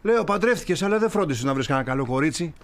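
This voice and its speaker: A man's voice: on the high side, lively intonation, lightly acted. An actor playing a blunt, folksy taxi driver who teases his friend in a TV comedy. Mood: teasing. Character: blunt chatty working-class taxi driver. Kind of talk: TV comedy acting.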